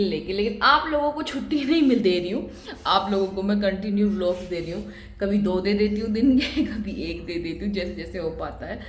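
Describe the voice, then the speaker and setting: A young Indian woman vlogs casually for her viewers, talkative and quick to laugh, filming on a phone both indoors and outdoors around her family home. Her voice is lowish with a darkish tone.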